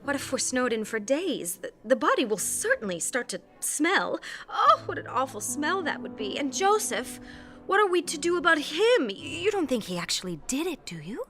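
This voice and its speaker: An actress playing a genteel, anxious society hostess in an audio drama, gracious and theatrical in manner. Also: female voice, high-pitched, very animated, moderate pace, bright, forceful tone, faint music behind, exaggerated voice.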